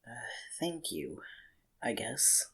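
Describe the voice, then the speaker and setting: A man playing a gentle but quietly firm young vampire in an audio drama, soft-spoken and hesitant. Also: mid-range voice, very animated, slow pace, gravelly, slightly rough, full character voice.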